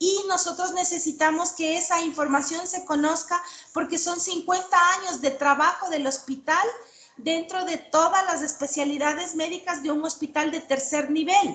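Extremely high in pitch, a woman speaks at a moderate pace with fairly even intonation. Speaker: journal editor. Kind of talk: questions in online session. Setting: video call. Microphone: video call.

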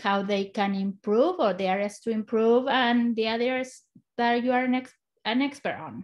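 The background is quiet. A woman speaks at a moderate pace with ordinary pitch variation. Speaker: nonprofit program organizer. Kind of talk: meeting host remarks. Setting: video call. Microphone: video call.

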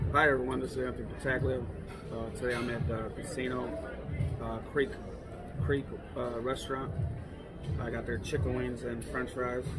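Clear music plays behind a man who speaks with long, frequent pauses. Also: moderate pace. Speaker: food vlogger. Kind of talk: casual vlog chat. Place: cafe. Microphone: phone near.

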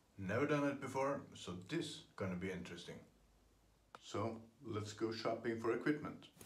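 A man's fairly low, somewhat breathy voice with ordinary pitch variation at a fairly slow pace. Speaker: DIY vlogger. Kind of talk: casual vlog chat. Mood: upbeat, joking. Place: bathroom. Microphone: phone near.

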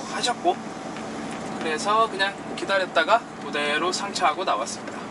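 A man speaks against noticeable background noise. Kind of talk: casual vlog chat while driving. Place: car.

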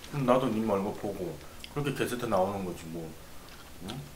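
Speech at a moderate pace, with audible room echo and light background noise. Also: man. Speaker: mukbang streamer. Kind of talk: casual chat. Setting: studio. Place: home room.

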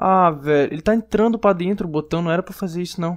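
A man rattles off words at a very fast pace, his pitch varying in an ordinary way, with a quiet background behind him. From Brazil. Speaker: gaming youtuber. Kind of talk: angry rant while gaming, frustrated over a broken mouse. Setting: home recording, gameplay commentary. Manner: exasperated, shouting, repeating 'mano' and 'velho' in disbelief. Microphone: headset.

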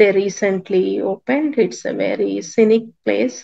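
A woman's medium-pitched voice in an Indian accent, dark and mellow in tone with vocal fry and lively intonation, at a fairly slow pace, the sound dry with no echo and the background quiet. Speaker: spiritual speaker and doctor. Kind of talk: spiritual talk sharing personal experiences. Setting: video call. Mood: calm, warm. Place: home room. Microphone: webcam.

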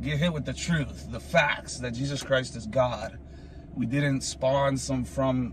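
A man speaks at a very slow pace with ordinary pitch variation. Light background noise is present. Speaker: vlogger. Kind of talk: casual vlog chat. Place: car. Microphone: phone near.

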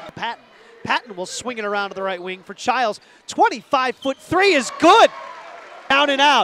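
Raising and projecting his voice, a man speaks at an extremely high pitch with very wide pitch swings and big swings in loudness, leaving long, frequent pauses at a moderate pace, in a dry, close sound with no echo. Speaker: basketball play-by-play announcer. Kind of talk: live sports commentary. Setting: basketball arena broadcast, highlight video.

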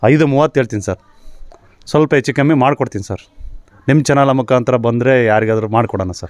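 An ordinary speaking voice from a man at medium pitch, with ordinary pitch variation and a dry, close sound with no echo. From central Karnataka, Davanagere area. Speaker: second-hand tractor dealer. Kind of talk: product walkaround interview.

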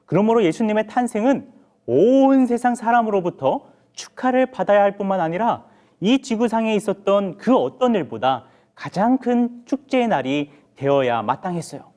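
A man's voice sits high yet has a dark, mellow tone. His intonation is lively and his loudness very even. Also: moderate pace. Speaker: pastor. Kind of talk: children's sermon. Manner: animated.

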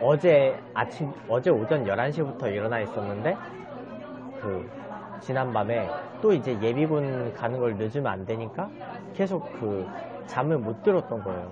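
Against crowd noise in the background, a man talks at a fairly slow pace with long, frequent pauses. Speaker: live streamer. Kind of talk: casual vlog chat. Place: cafe. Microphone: earbuds.

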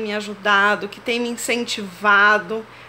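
A woman at a fairly slow pace, light background noise behind her. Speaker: home vlogger. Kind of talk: casual vlog chat. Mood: warm, affectionate, grateful. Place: home room. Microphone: phone near.

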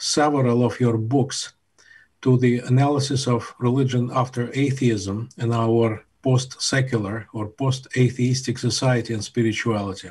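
Against a quiet background, a man with a Russian accent talks at a moderate pace in a somewhat breathy voice with fairly even intonation. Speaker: interviewer, religion lecturer. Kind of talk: formal interview. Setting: video call. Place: home room. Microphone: video call.

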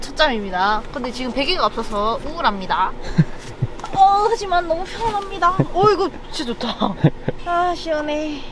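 Against noticeable background noise, a woman speaks at a moderate pace with long, frequent pauses, the sound dry with no echo. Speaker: camping vlogger. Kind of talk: casual vlog chat. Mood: complaining, amused.

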